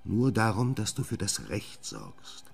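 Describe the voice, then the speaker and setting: Troubled proud scientist gent in a radio drama, really deep husky voice, theatrical, swoops around a lot. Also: male voice, huge pitch swings, faint music behind, exaggerated voice. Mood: grave, pleading. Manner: theatrical, halting, swinging from murmurs to outbursts. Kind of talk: German radio drama acting.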